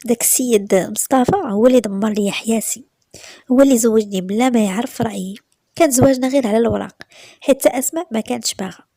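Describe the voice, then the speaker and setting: A woman with a Moroccan accent narrating a romance story in the first person, in a soft, often whispered delivery. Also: a little high, fast talker, vocal fry, no room sound.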